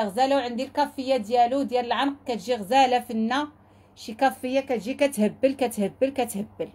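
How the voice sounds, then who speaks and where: Woman, Moroccan accent, jewelry seller, live sales pitch, quick delivery, repeats her exclamations. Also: a little mellow. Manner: repetitive, enthusiastic exclamations.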